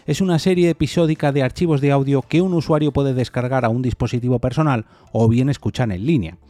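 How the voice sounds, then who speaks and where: A man's voice: mid-range voice, warm tone, dry recording. A man hosting a solo opinion podcast, reading definitions aloud and talking them through informally. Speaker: podcast host.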